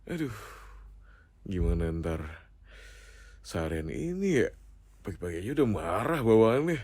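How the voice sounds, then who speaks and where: A young man with an Indonesian accent speaks in a whispered role-play as a teasing husband, playful and quick to laugh. His pitch swings widely while his delivery stays slow and unhurried. The sound is dry and close, with no room around it. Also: big pitch swings, darkish tone, no room sound. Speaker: ASMR roleplay host.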